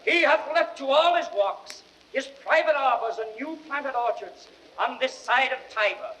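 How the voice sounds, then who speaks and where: An actor playing a grieving Roman orator rousing a crowd in impassioned theatrical Shakespearean declamation. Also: male voice, very high voice, lively intonation, a little hiss or hum, heavily acted, poor audio. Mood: triumphant, defiant. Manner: impassioned, drawn-out, swelling from hushed to shouted.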